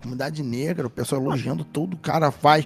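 A man's somewhat breathy, fairly high-pitched voice with ordinary pitch variation. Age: 30s. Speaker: history teacher and podcaster. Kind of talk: casual chat. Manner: animated.

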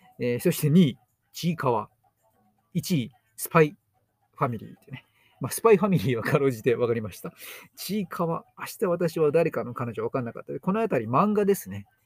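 Over music in the background, a man speaks at a fairly quick pace and fairly high pitch, with very wide pitch swings, big swings in loudness and long, frequent pauses, in a dry, close sound with no echo. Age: 50s. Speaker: walking instructor and podcaster. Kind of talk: live-stream monologue. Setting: live audio stream.

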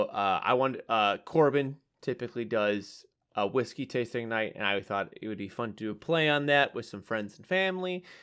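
A plain, everyday voice moves at a moderate pace with lively intonation and big swings in loudness. The recording is very clean, with a silent background. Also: man. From United States. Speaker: podcast co-host. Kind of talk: casual chat.

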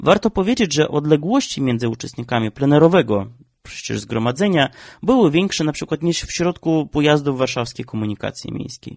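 A plain, everyday voice speaks at a fairly quick pace with lively intonation. The sound is dry and close with no echo, on a very clean recording with a silent background. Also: man, fairly high pitch for a man. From Ukraine. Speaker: radio columnist, journalist. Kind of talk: read opinion column.

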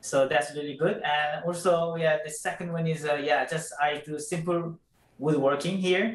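With a non-native accent, a man speaks at a fairly slow pace in a fairly high pitch. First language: not English. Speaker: magician. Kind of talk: interview. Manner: halting.

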